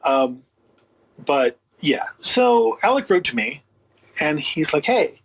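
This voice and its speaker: Husky, higher-pitched man chatting emphatically. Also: slow pace, low-quality recording. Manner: emphatic, opinionated, animated rambling. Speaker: guest, audio producer and writer. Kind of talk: casual interview chat.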